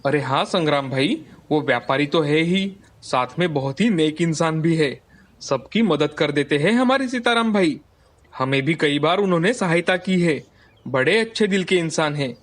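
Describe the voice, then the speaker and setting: A man voicing a friendly, hospitable village man in a cartoon story, chatting warmly with a guest. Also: fairly high pitch, animated, normal speed, lightly acted. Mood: admiring. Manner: warm, welcoming, chatty.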